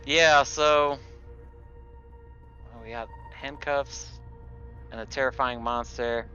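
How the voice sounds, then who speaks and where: A man plays a tabletop game, speaking slowly in a bright, forward voice. He thinks out loud hesitantly, and the slightly lo-fi audio has music underneath. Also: mid-range voice, fairly even intonation. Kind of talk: casual game chat.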